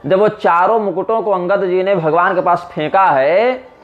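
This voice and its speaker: Higher-pitched man leading a scripture talk, chants verses slow then explains them lively, muffled low-fi recording. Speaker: religious discourse speaker. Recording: dull lo-fi recording.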